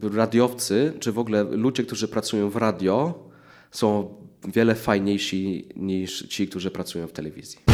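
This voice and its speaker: Over music in the background, a man talks at a moderate pace with a fairly low pitch and ordinary pitch variation. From England. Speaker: radio journalist and voice-over artist. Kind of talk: casual interview.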